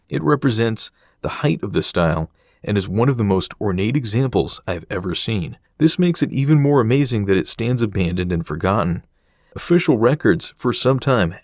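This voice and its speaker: A man delivering scripted documentary narration as the host of an exploration series, in a measured, descriptive manner. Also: on the low side, darkish tone, dry recording, studio quality.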